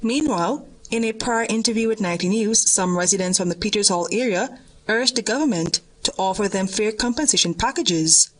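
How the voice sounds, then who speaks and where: Guyanese woman doing a news report voiceover, mid pitch, even and formal. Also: brisk.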